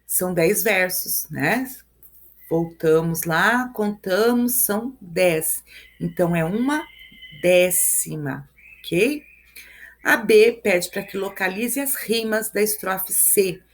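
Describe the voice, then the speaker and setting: A woman's voice: medium pitch, slow. Brazilian woman teacher, live review class, patient step-by-step explainer who checks in with "né?". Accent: Brazilian Portuguese. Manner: explains step by step, counts syllables aloud, tags lines with "né?" and "ok?". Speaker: Portuguese teacher.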